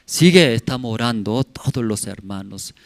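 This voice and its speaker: A man's voice: mid-range voice, expressive, moderate pace, creaky, no echo, clean studio sound. A male pastor, preaching a sermon in short phrases that he asks and answers himself. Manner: asks and answers his own questions, acts out sounds. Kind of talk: prayer service sermon. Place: church.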